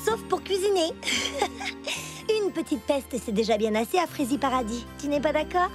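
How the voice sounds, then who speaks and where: A woman's voice: sits high, expressive, normal speed, music in the background. A woman voicing a tart, vain little pest of a girl in a French cartoon dub, wry and theatrical. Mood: sincere.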